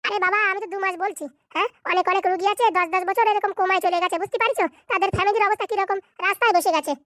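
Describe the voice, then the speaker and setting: Performer doing cartoon quack doctor, male, smug, smooth-talking, squeaky high voice, very fast. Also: fairly even intonation, bright, forceful tone, no room sound, studio quality. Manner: smug, reassuring patter. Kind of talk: cartoon comedy dubbing.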